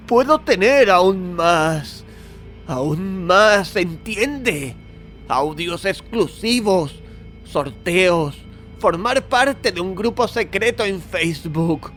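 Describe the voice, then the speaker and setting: An unhinged, obsessive male asylum patient in a horror radio play. His voice is high, and he draws his words out slowly in a frantic, theatrical way, with faint music behind him. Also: animated, fairly bright tone, full character voice. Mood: obsessed. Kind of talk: audio drama acting.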